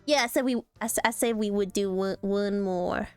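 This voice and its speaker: A young adult woman streaming casually, reacting to posts in a playful, animated way and laughing often. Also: mid-range voice, normal speed, smooth, dry recording, faint music behind.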